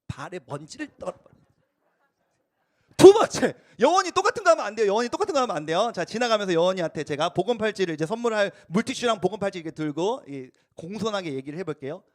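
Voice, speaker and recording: A young male youth pastor leads a playful, interactive sermon at a church youth service. His voice sits unusually high for a man and leaps around animatedly. He talks to the students in a chatty, coaxing way. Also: very animated, racing, hardly any pauses.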